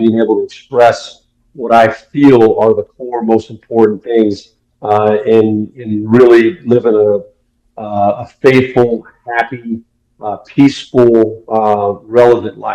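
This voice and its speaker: With a dark, mellow tone, a man talks at medium pitch in a monotone, flat intonation. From Southern California. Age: 60s. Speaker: former football quarterback and sports broadcaster. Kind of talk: interview.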